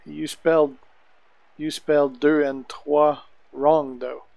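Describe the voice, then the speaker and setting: A man's voice: a little high, slow pace, vocal fry. Laid-back French-accented man streaming. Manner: relaxed, chatty, chuckles often, mild cursing. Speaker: gaming live streamer. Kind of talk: casual live-stream chat answering viewers.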